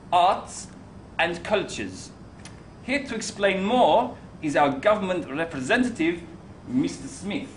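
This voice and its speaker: A man's voice: sits high, a little hiss or hum, heavily acted. An actor playing a formal male presenter unveiling a space lifeboat in a 1950s-style B movie, announcing in a stately way. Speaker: presenter introducing the government man.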